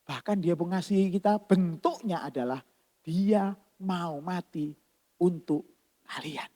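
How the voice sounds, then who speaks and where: A man preaching a sermon as pastor, swinging between loud emphasis and soft asides. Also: high-pitched, a little slow. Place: church hall. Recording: long church-hall reverb.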